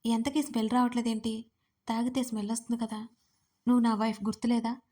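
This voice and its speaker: A woman's voice: on the high side, little pitch movement, quick pace, mellow, lightly acted. A woman voicing a moody, drunk young husband with blunt, scolding remarks in a romance audio story. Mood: curt.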